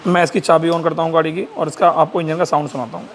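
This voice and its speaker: Fast-talking, high-voiced mechanic man. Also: fairly even intonation, slight background noise. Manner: quick, informal, repeats points while pointing things out. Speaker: motorcycle mechanic and channel host. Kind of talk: casual workshop walkthrough. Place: motorcycle workshop.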